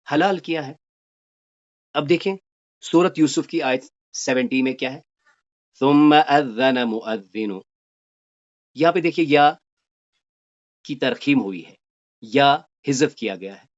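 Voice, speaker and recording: A man teaching a Quranic Arabic grammar lesson. He recites verses slowly and then explains them briskly. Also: medium pitch, expressive, highs cut off.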